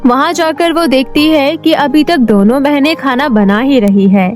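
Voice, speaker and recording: Female narrator for cartoon moral story, high pitch, soft music under. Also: a little slow. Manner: steady storytelling.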